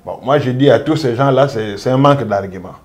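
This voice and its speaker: Emphatic man making a measured legal case. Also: mid-range voice, a little mellow. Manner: emphatic, measured legal argument with deliberate repetition. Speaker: jurist. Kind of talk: interview commentary.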